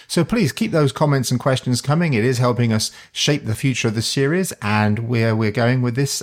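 A man's voice: medium pitch, gravelly. A man hosting a podcast, introducing his guest in a friendly, upbeat way and leading the interview with frequent fillers. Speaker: podcast host.

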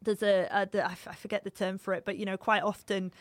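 A woman's voice: medium pitch, flat delivery, fast talker, no room sound. A woman in her thirties, a startup founder, talking animatedly in a casual interview with many fillers and restarts. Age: 30s.

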